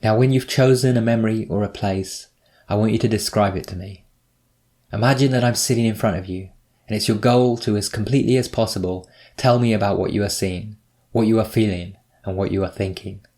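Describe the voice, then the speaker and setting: A man narrating a scripted guided meditation, giving measured, instructive prompts with pauses between them. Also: fairly low pitch, steady tone, a little mellow.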